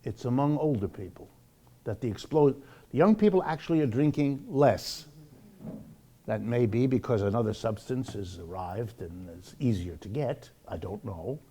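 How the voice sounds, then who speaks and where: A man's voice: mid-range voice, lively intonation, normal speed, dark tone, a little hiss or hum. Emphatic man giving a public lecture.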